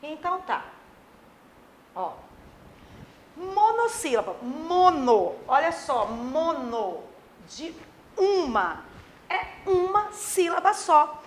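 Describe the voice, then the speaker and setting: A woman teacher explains a grammar lesson to children in a high, animated voice. She voices her pupils' questions herself. Faint background noise sits under a slightly distant mic at times. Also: slow pace, long pauses. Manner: plays imagined pupils' questions.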